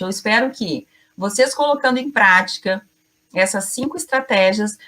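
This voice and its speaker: Middle-aged woman, communication coach giving an online lesson, emphatic, mid-pitched, speaks in short measured phrases. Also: a bit bright. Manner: emphatic, addresses the audience directly and often; deliberate pauses between short phrases. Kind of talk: online class lecture.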